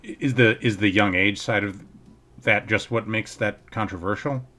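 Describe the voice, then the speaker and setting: A man's voice: fairly low pitch, moderate pace, pushed and bright. Man asking short questions. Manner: brief listening sounds, short questions. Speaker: podcast host. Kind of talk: casual conversation.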